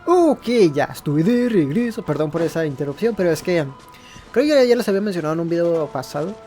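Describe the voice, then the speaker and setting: A man's voice: on the high side, sing-song, quick pace, warm tone. A man with a Mexican Spanish accent giving casual, informal gameplay commentary in a hesitant way. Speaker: gaming video creator. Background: faint game music.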